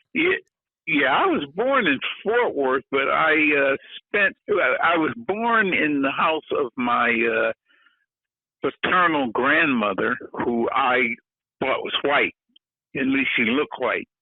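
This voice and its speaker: A man speaks at a very slow pace with long, frequent pauses. His loudness stays very even. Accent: American. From Buffalo, New York. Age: 80s+. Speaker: retired judge and lawyer. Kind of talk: interview, life story. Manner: halting.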